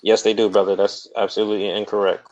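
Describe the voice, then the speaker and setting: Guy with a lowish voice arguing his point, insistent, repeats himself, dull lo-fi audio. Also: little pitch movement, fast talker, darkish tone. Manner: insistent, often repeats phrases to cut in. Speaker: debater. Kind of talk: informal debate.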